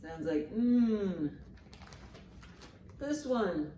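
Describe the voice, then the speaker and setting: A woman with a slightly low voice leads a storytime for young children. Her delivery swings widely in pitch as she reads and explains things simply and expressively. There is noticeable noise in the background. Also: sing-song, a little slow, darkish tone. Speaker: children's librarian, storytime host. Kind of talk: children's storytime, reading a picture book aloud and commenting.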